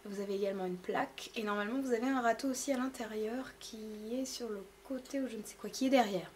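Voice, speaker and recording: Chatty woman, fairly high voice. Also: fast, slight background noise. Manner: chatty, hesitant, many fillers. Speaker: beauty vlogger. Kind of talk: casual product haul talk.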